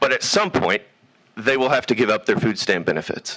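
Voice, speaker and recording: A man with a Southern US accent speaks at a moderate pace, his pitch medium. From Arkansas. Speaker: policy advocate. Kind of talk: legislative testimony.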